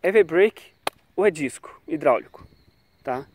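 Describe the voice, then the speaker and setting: A man's voice: fairly high pitch, expressive, a little slow, slight background noise. A man, talking casually about bike brakes on an action camera outdoors, with a cold, keeping it loose and tagging on little checks. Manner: chatty, loose, trails off with "tá?" and "né?". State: has a cold. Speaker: cycling vlogger. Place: outdoors on a quiet paved road.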